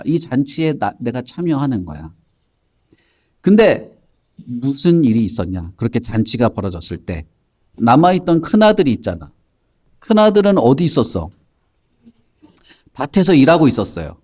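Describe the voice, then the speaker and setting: A man's voice: a little high, a little mellow. A man teaching a Sunday school Bible lesson to children, telling the story and quizzing them by name in a playful way. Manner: playful, joking.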